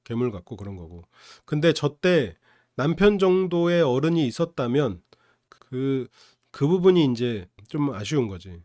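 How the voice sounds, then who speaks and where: A man's voice: mid-range voice, very animated, unhurried, mellow, dry recording, studio quality. A male counselor giving casual, analytical commentary that he explains conversationally and punctuates with rhetorical questions. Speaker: psychology counselor and show reviewer.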